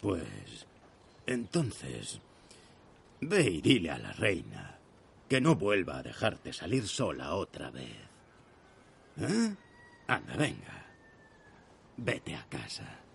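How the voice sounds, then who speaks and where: An actor dubbing a gruff old village barber who brushes off a request in a slow, gravelly voice. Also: male voice, huge pitch swings, slight background noise, full character voice. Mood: dismissive. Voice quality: deep and gravelly. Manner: slow, dismissive.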